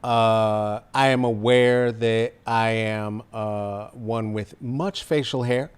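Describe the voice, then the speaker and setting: A man in his forties with a baritone voice, hosting a podcast interview over a video call from home with a studio mic, animated and emphatic. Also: slow, clear, resonant tone. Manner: animated, emphatic, gestures while talking. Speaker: podcast host. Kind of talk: casual conversation. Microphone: studio mic in frame, earbud.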